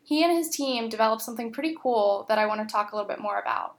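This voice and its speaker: A woman's voice: a little high, animated, fast, vocal fry. A woman hosting an interview, asking short questions and giving brief affirmations. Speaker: interview host. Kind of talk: hosted interview.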